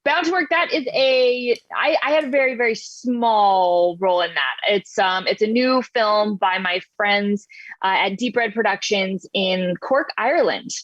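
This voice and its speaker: Female podcast guest, American, mid-pitched, chatty and self-amused, dry lo-fi sound. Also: unhurried, fairly bright tone, no room sound. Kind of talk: casual interview chat. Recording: slightly dull, lo-fi audio.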